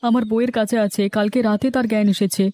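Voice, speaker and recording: A man's voice: sits high, level tone, fast, dark tone, close to an everyday voice. A man playing a humble, earnest village fisherman in a cartoon story, speaking deferentially. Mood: earnest, sorrowful. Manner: deferential, explanatory. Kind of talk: animated cartoon story acting. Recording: music bed under the voice.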